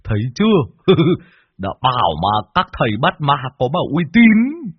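A man's voice: on the high side, huge pitch swings, measured pace, slightly rough, dry recording, narrow, tinny audio, voice pushed up, heavily acted. A man voicing a smug, teasing male helper who brags.

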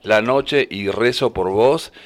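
A man's voice: lowish voice, slow. A man with an Argentine accent hosting a radio interview, chatty and rambling, often correcting himself. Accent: Argentine Spanish. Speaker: radio host. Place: radio studio.

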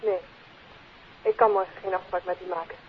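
A woman's voice: lowish voice, fairly even intonation, brisk, natural voice. An actress playing an anxious, evasive young woman in a 1950s radio drama, speaking hesitantly. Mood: reluctant, weary. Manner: hesitant, agitated. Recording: muffled, hissy 1950s radio recording.

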